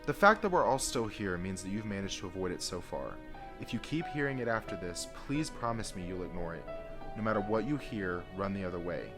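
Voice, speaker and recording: Deep-voiced, earnest, haunted man played by an actor. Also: sing-song, a little fast, music in the background. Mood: earnest warning. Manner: earnest, pleading. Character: weary, secretive man changed by an otherworldly force, loving and urgent. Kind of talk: audio drama dialogue.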